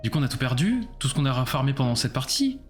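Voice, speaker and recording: A man with a mid-range voice talks in a racing, animated way while casually commenting on his own gameplay on a live stream. He's chatty and self-mocking as he addresses his chat, with faint music playing behind.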